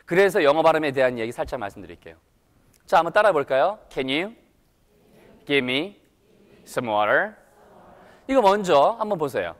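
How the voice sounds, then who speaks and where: Animated man lecturing in a hall. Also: on the high side. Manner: animated, playful, coaxes audience to repeat after him. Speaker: English lecturer. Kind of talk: lively public lecture to an audience. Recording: reverberant hall.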